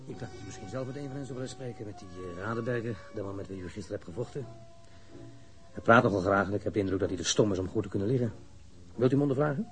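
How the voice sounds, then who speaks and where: A man's voice: on the low side, rapid-fire, faint music behind, natural voice, low-quality recording. An actor playing a courteous male police officer offering a suspect to a colleague in a radio drama.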